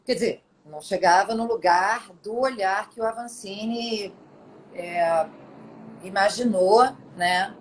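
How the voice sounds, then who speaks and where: A middle-aged actress chatting as an interview guest, telling her stories in an animated, expressive way. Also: mid-range voice, slow pace, a little hiss or hum, poor audio. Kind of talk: casual storytelling interview.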